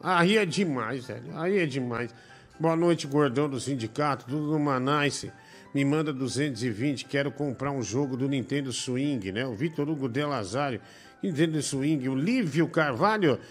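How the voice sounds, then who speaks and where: A man's voice: medium pitch, normal speed, faint music behind. A man hosting a live stream, joking crudely and reading out viewer donations and messages. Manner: profane, jokey, reads messages aloud.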